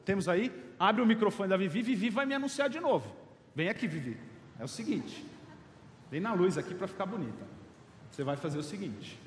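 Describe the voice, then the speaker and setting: A high-pitched Brazilian man in his late thirties, playful and chatty, jokes his way through a motivational talk. He speaks from a stage in a large hall, and his voice echoes with a long reverb. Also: expressive, fairly quick, slight background noise. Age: late 30s. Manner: joking, chatty, playful asides to the audience.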